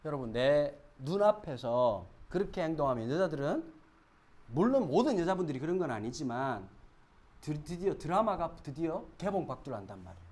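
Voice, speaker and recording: A male pastor preaching with a lively, up-and-down voice. He turns to the congregation with questions and shifts from quiet asides to loud, dramatic outbursts. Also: a little high, brisk. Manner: animated, swings from soft asides to loud shouted dramatizations; conversational, asks the congregation questions. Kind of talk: sermon.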